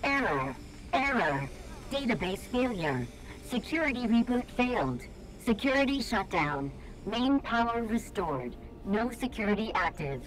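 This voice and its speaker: A woman voicing a malfunctioning computer security system, with a glitching robotic sound and flat announcer-style status reports. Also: a little high, unhurried, poor audio. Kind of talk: video game voice line.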